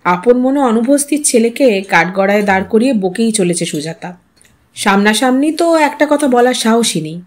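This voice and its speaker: A woman storyteller narrating literary fiction in an expressive style. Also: on the high side, moderate pace.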